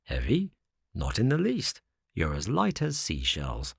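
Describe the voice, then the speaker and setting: A kindly great tuna fish from a children's tale read by a man. It speaks in a hearty, reassuring way with animated pitch, recorded close and dry. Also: unhurried, creaky, slightly rough, no echo, exaggerated voice.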